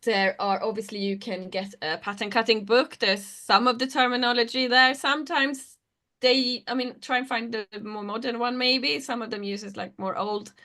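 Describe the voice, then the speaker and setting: A woman's voice: fairly high pitch, fairly even intonation, moderate pace, sharp tone. A woman speaking as a designer on a live online panel, answering in a loose, chatty way that trails off between thoughts. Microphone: video call.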